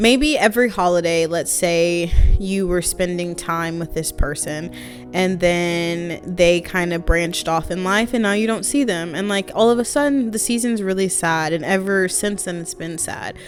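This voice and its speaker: With music in the background, a woman with an American accent speaks at a fairly low pitch and a moderate pace, using ordinary pitch variation and hardly any pauses. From Texas. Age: 20s. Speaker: content creator. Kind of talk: casual talk to camera.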